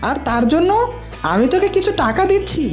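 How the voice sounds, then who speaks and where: A woman's voice: very high-pitched, animated, brisk. A woman voicing a helpful male fox friend who gives advice in a cartoon, on a dull recording over music. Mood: concerned, advising. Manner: inquiring, advising.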